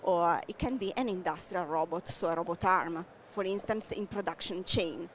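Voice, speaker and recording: A woman from Italy with an Italian accent, a native Italian speaker, explaining her company's technology in a trade show interview, with many pauses and fillers. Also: fairly low pitch, slight background noise. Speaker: tech company guest. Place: busy trade show floor. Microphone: headset.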